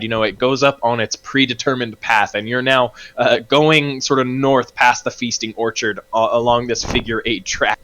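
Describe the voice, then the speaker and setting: A man running a tabletop game as game master, narrating in a relaxed way full of pauses. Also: medium pitch, slight background noise. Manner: relaxed, many fillers and restarts.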